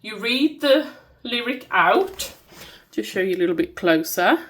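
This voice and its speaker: At a slightly slow pace, a mid-range, expressive voice carries a thick nasal cold and a Black Country accent. The woman, a small-business content creator, informally guides viewers through her own products, self-deprecating and prone to singing bits.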